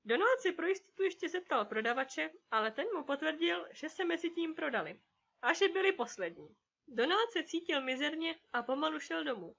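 Expressive female storybook narrator; bright, high voice, dull lo-fi recording. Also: vocal fry. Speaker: audiobook narrator. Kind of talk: scripted narration of a children's story.

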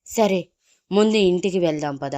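A woman voicing a caring young man who gently urges and reassures. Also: lowish voice, normal speed, no room sound, lightly acted. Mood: concerned. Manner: gentle, urging.

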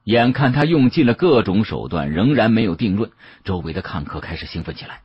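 A man's voice: fairly low pitch, very animated, brisk, husky, highs cut off. A man narrating an audiobook as a dramatic storyteller.

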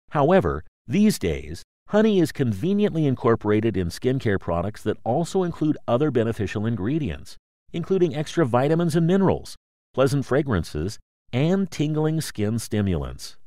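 A man reading a scripted promotional explainer as a voice-over, in a polished, measured announcer's manner. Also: medium pitch, mellow, no echo, studio quality. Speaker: voice-over narrator.

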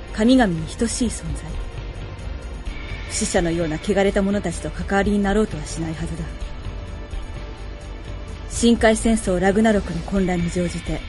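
A woman playing a grave, composed valkyrie in a Japanese radio drama, speaking formally and with measured authority. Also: mid-range voice, warm tone, lightly acted. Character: solemn, composed battle goddess, a valkyrie.

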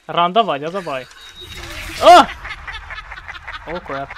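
Excitable swearing man playing a horror game. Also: on the high side. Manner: excitable, swears often, yells when startled. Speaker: gameplay commentator. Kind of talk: horror let's play commentary.

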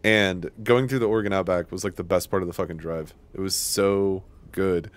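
A man's voice: low voice, steady tone, normal speed. A man in his thirties from Washington State who hosts a live gaming stream, chatting loosely with viewers, rambling and swearing freely. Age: 30s. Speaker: streamer, host. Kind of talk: casual live-stream chat while gaming.

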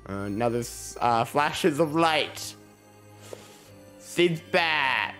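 Slow-talking man with a sore throat. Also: medium pitch, expressive, fairly bright tone, soft background music. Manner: rambling, self-deprecating, chuckles often. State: sore throat with a slight cough. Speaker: gaming channel host. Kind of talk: casual let's play commentary.

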